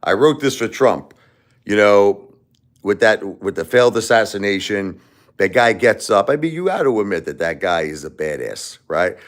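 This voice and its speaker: A man's voice: fairly low pitch, lively intonation, normal speed. A man from the United States hosting a casual livestream, rambling and restarting as he talks straight to his viewers. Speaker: livestream host.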